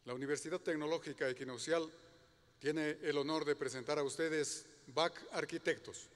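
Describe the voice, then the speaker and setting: A man's voice: on the high side, fairly even intonation, normal speed, background noise. A man formally reading a prepared introduction of guest speakers on behalf of a university. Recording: long hall reverb.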